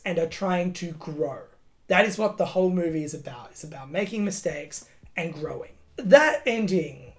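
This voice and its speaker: In a lowish voice, a woman gives a casual, emotional review of a film, swearing often and filling her speech with "like" and "you know."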